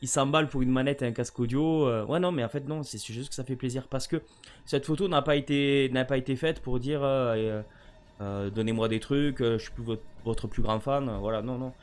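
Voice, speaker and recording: A man's voice: medium pitch, a little fast, soft background music. A French man chatting casually to camera about a gift, often rambling and stammering over his words. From France. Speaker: gaming vlogger.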